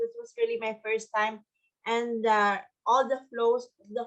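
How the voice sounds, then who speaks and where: At a very slow pace, a woman with a Filipino accent speaks in a high pitch. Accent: Filipino accent, non-native English. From Philippines. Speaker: yoga student. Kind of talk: casual chat. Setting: video call.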